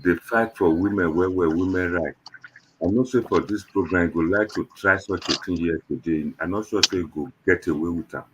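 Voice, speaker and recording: A man's voice: sits low, a little fast, very noisy. A man with a Nigerian accent hosting an online panel show in Nigerian Pidgin, talking to viewers in a casual, rambling, conversational way.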